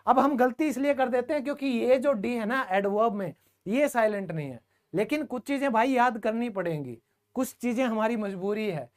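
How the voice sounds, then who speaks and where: A man's voice: very high-pitched, normal speed. A man teaching English grammar in a live online class, speaking in a colloquial, jokey way and talking directly to his students.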